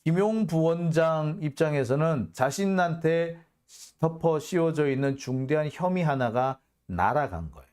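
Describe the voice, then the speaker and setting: A man's voice: a little high, animated, normal speed, darkish tone, clear, resonant tone. A middle-aged man hosting a courtroom news commentary, emphatic and fond of rhetorical questions with chuckling asides. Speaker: YouTube commentary host.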